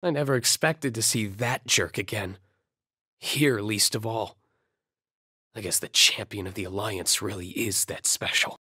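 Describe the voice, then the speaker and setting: An actor playing a reckless, thrill-seeking young man in a video game, emotional and sardonic, with a husky voice. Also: on the low side, unhurried, sharp tone, no echo, studio quality, full character voice. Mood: mocking. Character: reckless thrill-seeking young man, betrayed creation pleading with his father. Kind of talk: dramatic video game voice acting.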